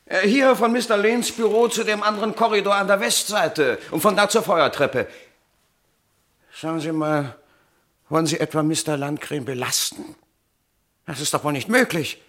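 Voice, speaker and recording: A man's voice: a little high, moderate pace, fairly bright tone, lightly acted. An actor playing a fussy, protesting male office witness in a German crime radio drama, speaking insistently.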